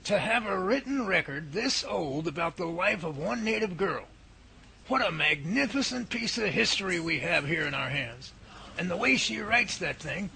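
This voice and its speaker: A man's voice: high voice, gravelly, sharp tone, slight background noise, heavily acted. A man playing an enthusiastic, folksy science professor in an audio drama, given to gushing exclamations. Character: enthusiastic academic professor in a science lab, easily awed.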